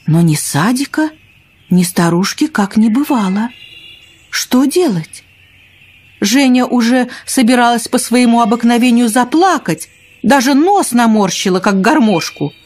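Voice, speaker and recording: A woman narrating a children's fairy tale from a script, expressive and husky. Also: a little high. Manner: expressive storytelling.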